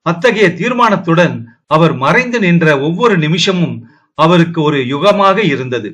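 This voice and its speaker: A man narrates a historical novel for an audiobook, steady and dramatic in his storytelling. His voice sits somewhat high for a man. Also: moderate pace.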